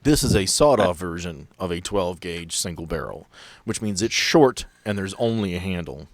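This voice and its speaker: A man's voice: low voice, animated, moderate pace, no room sound. A man working as game master, narrating scenes and chatting casually with players in a tabletop game.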